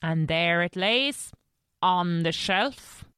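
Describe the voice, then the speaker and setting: A woman's voice: lowish voice, animated, extremely slow, sharp tone, clear, resonant tone, dry recording, studio quality, heavily acted. A woman playing a kindly, fussing housekeeper in an audio drama, chatty and colloquial, with a rural English accent. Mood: wistful, gossipy. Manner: chatty, colloquial servant's storytelling.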